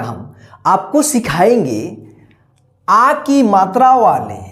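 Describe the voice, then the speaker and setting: A woman teaching an online reading lesson, explaining patiently, repeating herself, drawing out and spelling out words, and often checking that the class follows. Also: medium pitch.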